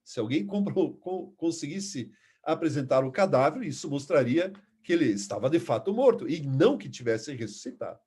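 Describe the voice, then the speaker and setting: A man's voice: a little high, lively intonation, moderate pace, dark tone, husky. A man teaching a Bible lesson, earnest and emphatic, stopping to restart words and reading scripture aloud. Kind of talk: Bible class lecture.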